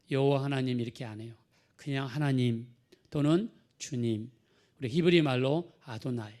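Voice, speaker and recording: A man's voice: mid-range voice, a little mellow. A middle-aged male pastor preaching a sermon in a conversational storytelling manner, acting out the people in his story.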